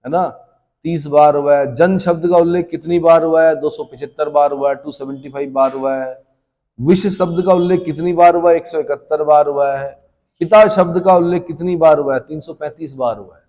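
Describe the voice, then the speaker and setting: A man's voice: fairly high pitch, warm tone, in a large hall. A man teaching history, who asks his class questions and then answers them himself. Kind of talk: classroom lecture.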